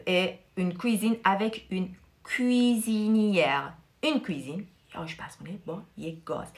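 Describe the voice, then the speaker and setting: A woman French teacher whose first language is Persian, giving a live online class and switching between French and Persian. She repeats each vocabulary word slowly and stresses its pronunciation. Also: on the low side.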